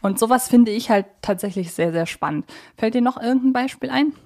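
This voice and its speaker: A woman's voice: fairly high pitch, brisk, dark tone. A woman hosting a podcast, talking casually in a reflective, explanatory way as she works through her points. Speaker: podcast host.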